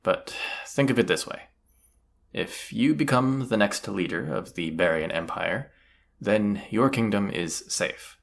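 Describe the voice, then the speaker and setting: A man's voice: fairly low pitch, unhurried, creaky. A man playing a cocky, teasing, commanding bandit leader in a roleplay audio drama, casual and swaggering. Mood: persuasive, teasing. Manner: casual, teasing, swaggering, rhetorical tag questions.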